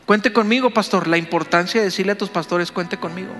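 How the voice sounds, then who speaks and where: A man, a pastor, telling a story in a sermon, animated and playful as he talks to the congregation. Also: high voice, fast talker, big-room sound, faint music behind.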